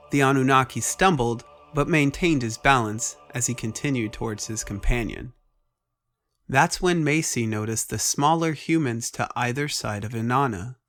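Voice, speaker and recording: A man reading scripted dramatic fiction as the narrator of a story. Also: medium pitch. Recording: loud music under voice. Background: music.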